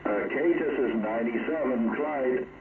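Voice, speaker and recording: A man's voice: medium pitch, a little slow, narrow, tinny audio, over a noisy crowd. A man from Newfoundland working as a radio operator, giving clipped callouts over noisy, echoing CB reception. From Newfoundland, Canada. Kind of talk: radio contact exchange. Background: heavy radio static.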